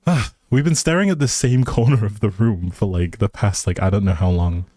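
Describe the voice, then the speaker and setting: A man's voice: fairly low pitch, brisk, warm tone, no echo, clean studio sound. A man hosting a livestream, chatting casually and informally straight to his viewers. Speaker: livestream host.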